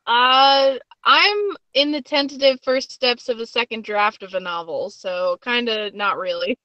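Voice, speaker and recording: A woman's voice: fairly high pitch, fairly even intonation, measured pace, pushed and bright, no room sound. A woman guest-hosting a podcast, chatting casually and self-deprecatingly, on a slightly lo-fi recording. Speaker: guest host, writer and podcaster. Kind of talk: casual chat.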